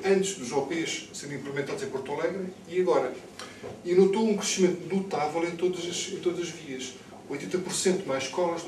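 Fast, emphatic Lisbon man, echoey distant recording. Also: on the high side, a little mellow. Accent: Lisbon Portuguese. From Lisbon, Portugal. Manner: emphatic, repeats words as he builds points. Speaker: candidate speaking on a panel. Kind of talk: extemporaneous political talk at a public debate. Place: bookshop-like indoor room with seated audience. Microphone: far camera. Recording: distant camera mic, echoey, noisy room.

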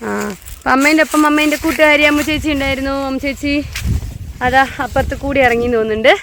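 A woman's voice: high voice, level tone, quick pace, noisy background. Chatty woman vlogging on a hillside. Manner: chatty, talking to viewers while coaxing her little daughter. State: out of breath from climbing. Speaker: vlogger and mother. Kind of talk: casual vlog narration while walking. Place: outdoors on a hillside plantation.

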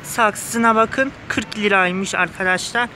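Outside a flower shop on a city pavement, a masked man vlogs to his viewers, his words slightly muffled but enthusiastic and gushing in a casual way. His voice is high and sharp, with a steady tone and slow delivery. A handheld phone behind the camera catches him along with street noise from passing cars and urban ambience.

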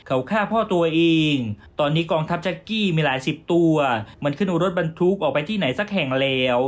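A man's voice: on the high side, fairly quick. Man narrating a series recap.

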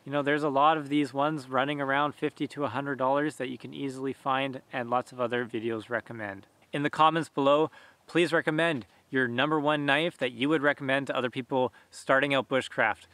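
Bright-voiced man talking in a forest. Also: mid-range voice, fairly quick, no room sound. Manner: relaxed, conversational, lots of fillers. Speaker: bushcraft channel host. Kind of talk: casual talk to camera. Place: outdoors in a forest. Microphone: camera at close range.

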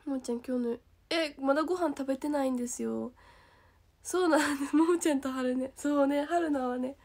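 A young woman with a Kansai accent chatting casually on a livestream, reading comments aloud, giggling often and sometimes dropping to a soft whisper. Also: high voice, fairly quick. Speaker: idol livestream host.

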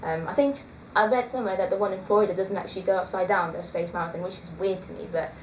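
A woman's voice: mid-range voice, fast talker, a little hiss or hum. A woman in her twenties chatting casually to her webcam, hesitant with many ums. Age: 20s. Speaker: vlogger. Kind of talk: casual chat. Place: small indoor room. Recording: echoey room, dull lo-fi webcam audio.

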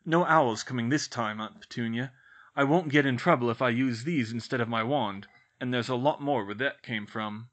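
A defiant teenage boy, voiced by a male narrator close to his own voice, sounds firm and self-assured. There is a smug edge under the calm. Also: mid-range voice, moderate pace, lightly acted.

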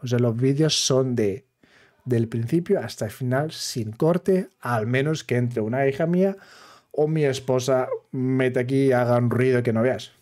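A Swiss gaming video creator with a Swiss accent talks casually to camera in careful, halting Spanish, which isn't his everyday language. His voice is mid-range with a darkish tone.

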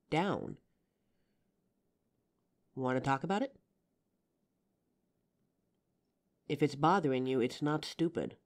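Woman acting low-voiced, lively, tender female bodyguard. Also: full character voice. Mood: gentle concern. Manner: gentle, teasing, reassuring. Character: caring, flirtatious female bodyguard, protective and loyal. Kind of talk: roleplay audio drama acting, intimate.

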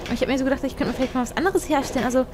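Young woman, high-pitched, playful game commentary, reads in-game text aloud, light background hiss. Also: steady tone, very fast. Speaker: let's player.

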